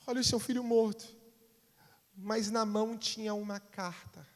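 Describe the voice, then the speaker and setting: A Brazilian pastor preaching, telling a dramatic story and acting out its people's voices. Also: male voice, high-pitched, steady tone, normal speed. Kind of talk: sermon storytelling. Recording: long reverb of a church hall.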